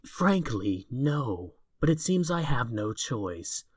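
A woman's voice: very deep voice, sing-song, takes it slowly, husky, no room sound, exaggerated voice. A woman playing a proud, guarded young man in a fan audio drama, with a haughty, dry and formal manner.

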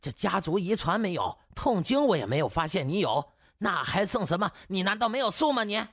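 A man's voice: high-pitched, sing-song, brisk, fairly bright tone, no echo, studio quality, pitched above the performer's own voice, full character voice. Man as a furious, ranting jealous husband. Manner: ranting, accusing, swearing. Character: jealous, hot-tempered husband, crude and accusing.

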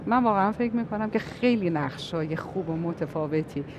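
A woman's voice: fairly low pitch, lively intonation, background noise. A woman hosting a TV interview, asking long, carefully phrased questions and giving encouraging replies. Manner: articulate, long winding questions, warm affirmations. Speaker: interviewer host.

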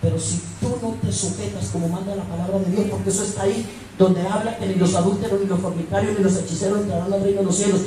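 A woman preacher delivering an emphatic, humorous sermon, swinging between hushed asides and shouts. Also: mid-range voice, fairly even intonation, fast talker. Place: church with congregation. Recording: echoey hall, distant mic. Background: congregation laughter and noise.

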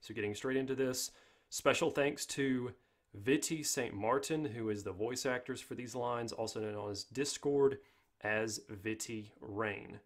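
A man's voice: mid-range voice, measured pace. Male tutorial host, mid-range voice, informal step-by-step explainer. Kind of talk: casual software tutorial narration.

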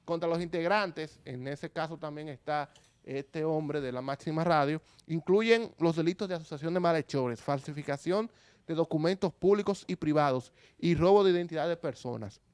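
Male co-host reading a report, measured pace, smooth voice, dry close sound. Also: on the high side, darkish tone, no room sound. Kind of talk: reading news report on panel show.

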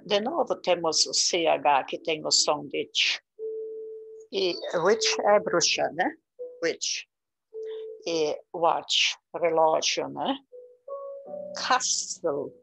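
Slow, gravelly Brazilian woman teaching English. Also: low-pitched, fairly bright tone, rough recording. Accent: Brazilian Portuguese, gaúcho. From southern Brazil. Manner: slow, patient, repeats words for learners. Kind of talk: casual beginner English lesson.

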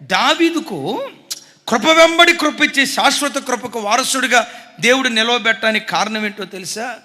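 Pastor guy preaching hard, high sharp voice, big reverb hall. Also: moderate pace. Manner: impassioned preaching, acting out quoted dialogue. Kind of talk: sermon.

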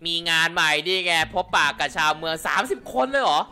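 A man hosting a gaming channel, giving chatty let's-play commentary and thinking out loud. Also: high voice, expressive, brisk, soft background music. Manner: chatty, giggly, thinking aloud.

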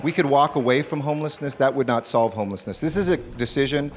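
A man's voice: medium pitch, fast, a faint crowd. A man speaking decisively at a crowded public meeting. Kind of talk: public speech.

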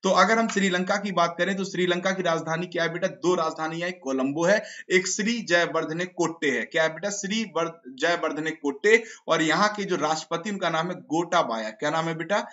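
A hoarse man teaching a live online exam-prep class, quizzing students and repeating each answer. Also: on the high side, fairly quick, few pauses, a bit bright. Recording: dull lo-fi stream audio.

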